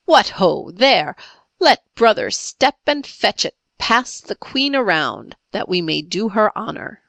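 Woman playing a grandiose, slow-spoken pirate chief. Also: mid-range voice, sing-song, vocal fry, a bit bright, no echo, full character voice. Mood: commanding. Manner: pompous, declamatory, solemn. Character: grave, grandiose male pirate chief, theatrically courtly. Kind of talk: storybook character voice.

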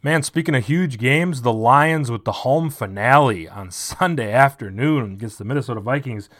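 A man's voice: mid-range voice, moderate pace, fairly bright tone. A man hosting a sports podcast, talking casually and sarcastically with lots of fillers and restarts. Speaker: podcast host.

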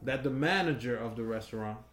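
A man co-hosting a casual, profane podcast chat, telling stories in an animated way. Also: medium pitch, a little fast, reverberant. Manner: animated storyteller, acts out quotes with shouty put-on voices. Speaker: podcast co-host.

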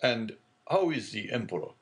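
A man's voice: mid-range voice, very animated, moderate pace, lightly acted. A man doing a genial older shipowner. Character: genial middle-aged male shipowner.

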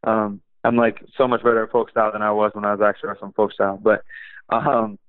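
Young wrestling coach on a podcast call, low flat voice, rambly with lots of ums, tinny phone sound. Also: male voice, fast talker, clear, resonant tone, no room sound. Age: young adult. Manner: relaxed, rambling, many fillers and restarts. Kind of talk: podcast interview.

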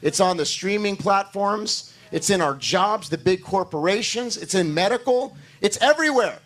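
A hoarse pastor preaching from the pulpit in a fairly high voice. He drives his points home with repetition and rising emphasis, and he talks straight to the congregation, asking them for amens. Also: lively intonation, normal speed, fairly bright tone. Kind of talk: sermon.

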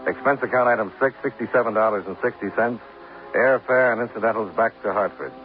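An actor playing a laconic insurance investigator who narrates and talks terse and matter-of-fact in a 1950s radio drama. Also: male voice, lowish voice, fast talker, soft background music, close to an everyday voice. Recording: tinny, lightly hissy old radio broadcast.

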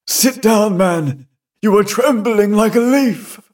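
A man's voice: high voice, slow, a little mellow, distant mic, voice pushed up. A male narrator voicing a flustered elderly father in a ghost story, exclaiming and giving orders. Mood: blustering. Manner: blustering, exclaiming, then commanding.

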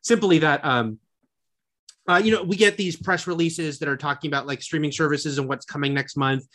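A man's voice: fairly high pitch, brisk, a bit bright. A man co-hosting a podcast in casual chat, chatty and full of fillers and restarts. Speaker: podcast co-host.

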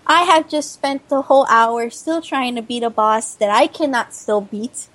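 A woman's voice: on the high side, normal speed, fairly bright tone. A tired woman hosting a podcast, signing off in a chatty, rambling way. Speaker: podcast host. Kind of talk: casual chat.

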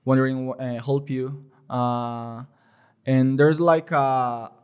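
A man's voice: medium pitch, takes it slowly, smooth. Young Colombian man, easygoing guest. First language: Spanish. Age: 20s. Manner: relaxed, loose non-native phrasing with many fillers. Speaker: guest, liquor store owner. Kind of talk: casual podcast chat.

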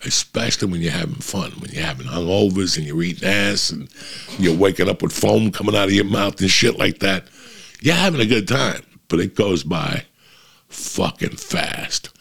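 Gravelly, foul-mouthed comic. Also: male voice, sits low, animated, moderate pace, a bit bright. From New Jersey. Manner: profane, blunt storytelling. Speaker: comedian. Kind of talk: casual rambling monologue.

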